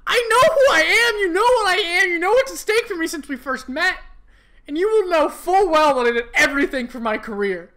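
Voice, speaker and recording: A very high, bright voice gives life to a young rabbit heroine, played by a woman. She is desperate yet defiant, emotional and melodramatic, as in an amateur comic dramatization. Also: animated, a little fast. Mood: furious, tearful.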